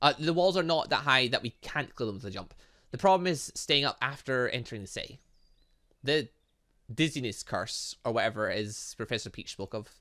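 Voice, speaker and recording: A man's voice: medium pitch, brisk. A man reading visual novel dialogue aloud as a gaming host, playfully breaking in with his own asides and reactions. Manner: animated, interjecting, playful asides.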